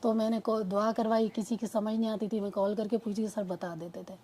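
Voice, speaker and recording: A woman's voice: mid-range voice, level tone, mellow. A woman, a mother of two, giving an earnest personal testimony that rambles and restarts. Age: adult mother. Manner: earnest, rambling storytelling with many restarts and quoted dialogue.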